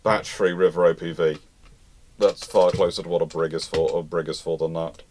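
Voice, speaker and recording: A man's voice: low voice, little pitch movement, moderate pace, darkish tone, a little hiss or hum. A man hosting a live question-and-answer talk on history, speaking in an explanatory way. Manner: explanatory, reads questions aloud then answers.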